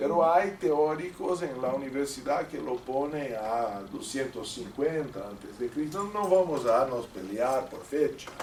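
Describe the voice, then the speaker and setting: The speaker talks at a fairly slow pace with lively intonation, hardly any pauses and big swings in loudness. Noticeable background noise is present. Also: man. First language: Portuguese (speaking Spanish). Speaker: lecturer on yoga and theosophy. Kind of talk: lecture. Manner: halting.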